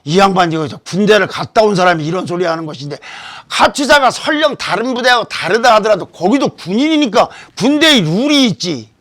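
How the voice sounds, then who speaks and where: A man's voice: high-pitched, animated, fairly quick, a bit bright. A man hosting a political commentary show, talking emphatically and posing rhetorical questions into a studio microphone.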